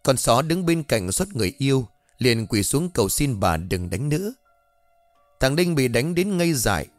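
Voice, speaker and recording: A man telling a ghost story in a measured, dramatic way. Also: mid-range voice, big pitch swings, dry recording. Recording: dry close voice with faint background music.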